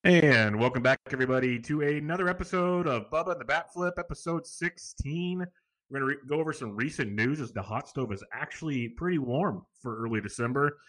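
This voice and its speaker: Relaxed man co-hosting a podcast. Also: medium pitch, fairly quick. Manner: laughs easily, relaxed banter. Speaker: podcast co-host. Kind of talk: casual podcast chat.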